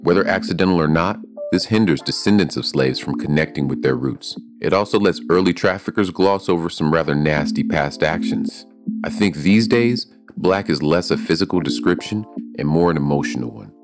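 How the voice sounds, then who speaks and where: A male podcast host with an extremely low voice talking in a slow, reflective, musing way. music plays underneath him throughout. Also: expressive. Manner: thoughtful, measured, musing aloud. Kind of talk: reflective podcast narration and interviewing. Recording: music playing behind the voice.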